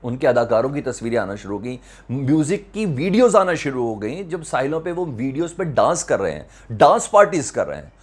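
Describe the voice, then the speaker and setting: A man's voice: mid-range voice, sing-song, brisk, darkish tone, husky. A man with a Pakistani accent giving current affairs commentary to viewers, emphatic, repeating phrases and asking rhetorical questions, with English words mixed in. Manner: mixes English words into speech. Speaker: host of a news commentary video channel.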